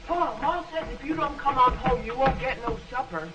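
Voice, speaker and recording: A man's voice: very high-pitched, moderate pace, pushed and bright, far from the mic, dull audio, faint music behind. A male performer in an early talkie film playing a blunt, folksy young boy, on an old noisy soundtrack. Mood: insistent.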